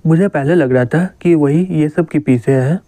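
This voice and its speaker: A man voicing a cheeky teenage schoolboy with x-ray vision who is quick to talk back, in a manga recap. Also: fairly high pitch, dark tone, no echo, close to an everyday voice.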